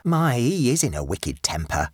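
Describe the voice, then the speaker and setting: A man voicing a poor young girl from the back streets, speaking in a hushed, conspiratorial way, in a storybook reading. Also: medium pitch, very animated, normal speed, dry recording, studio quality. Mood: excited.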